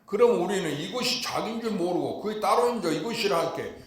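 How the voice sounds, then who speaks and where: A man's voice: sits high, animated, fast talker. Man, Buddhist monk, rhetorical questions, reverberant dharma hall. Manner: emphatic, rhetorical, keeps asking the hall if they understood. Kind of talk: Dharma talk. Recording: echoey hall.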